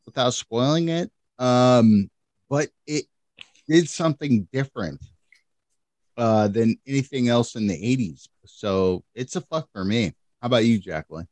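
A man co-hosting a podcast, chiming in with enthusiastic quick reactions in casual chat. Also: mid-range voice, lively intonation, darkish tone, dry recording. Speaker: podcast co-host.

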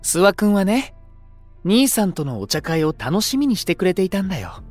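A man playing an unruffled, poetic young younger brother in a voice drama, elegant and gently persuasive. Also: sits high, very animated, normal speed, faint music behind. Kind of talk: Japanese voice drama acting.

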